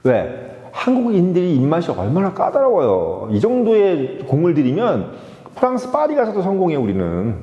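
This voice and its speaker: A man in full rhetorical flow, his pitch swinging up and down as he keeps jabbing listeners with quick "eh?" asides. His tone is mellow and fairly high for a man. It sits in a roomy space with a long reverb tail and a dull, lo-fi sound. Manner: animated, prods listeners with rhetorical "eh?" tag questions. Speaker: political commentator. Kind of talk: opinionated solo political talk.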